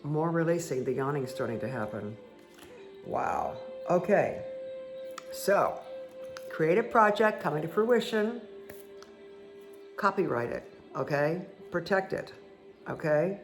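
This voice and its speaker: A woman with a croaky voice giving a casual, chatty tarot card reading that speaks directly to the listener. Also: sits low, expressive, takes it slowly, pauses often. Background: background music.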